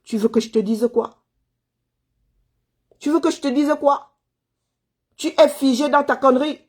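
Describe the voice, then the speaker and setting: Her voice sits high and has a darkish tone, and she talks a little slowly. She is a commentator from Cameroon answering viewers, scolding a listener in a heated monologue packed with repetition and rhetorical questions.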